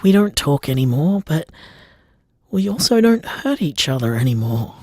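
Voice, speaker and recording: A man playing a hurt, emotional gay man in an audio drama, speaking haltingly and repeating himself. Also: a little high, sing-song, darkish tone, dry recording, studio quality. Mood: hurt, breaking down. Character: hurt gay man rejected by his cruel parents. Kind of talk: audio drama voicemail monologue.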